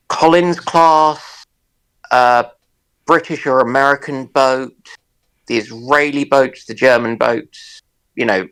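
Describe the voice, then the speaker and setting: Slow, creaky-voiced man in casual discussion. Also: mid-range voice, a bit bright, low-quality recording. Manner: hesitant, piecing sentences together in short fragments. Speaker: panelist on a live discussion.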